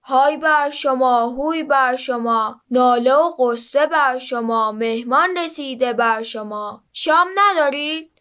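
A woman voicing a greedy male demon in a children's story, huffing and chanting slowly. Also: high voice, fairly bright tone, clear, resonant tone. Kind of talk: storybook narration.

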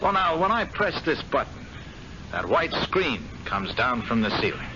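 An actor playing a smooth, sneering gambling-club blackmailer who gloats in an old radio drama. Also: male voice, medium pitch, sing-song, moderate pace, natural voice. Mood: gloating. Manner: silky, gloating, amused. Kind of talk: 1970s radio drama acting. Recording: lo-fi vintage radio with clear hiss.

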